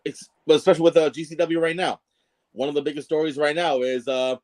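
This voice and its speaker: A man's voice: a little high, steady tone, fast talker, darkish tone. A man speaking as a guest ring announcer in a casual wrestling chat, emphatic and repeating words to press his point.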